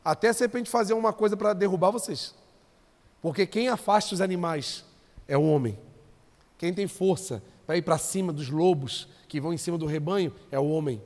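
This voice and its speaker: High-voiced preaching man in a reverberant church hall. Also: moderate pace, a little mellow. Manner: conversational, joking, calls out to the congregation. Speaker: pastor. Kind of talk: sermon.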